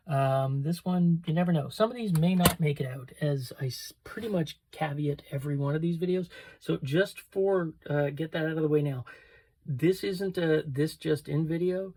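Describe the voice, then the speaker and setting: A middle-aged man chatting casually and unscripted as he shows off items as a store owner, in a halting, rambling way that often interrupts itself. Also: on the high side, darkish tone, husky. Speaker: vintage store owner presenting a haul. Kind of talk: casual unscripted show-and-tell chat.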